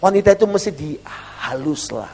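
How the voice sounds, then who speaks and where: Animated male preacher in a reverberant church. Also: a little high, normal speed, slightly rough. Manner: humorous, animated, keeps addressing the congregation. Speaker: pastor. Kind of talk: sermon.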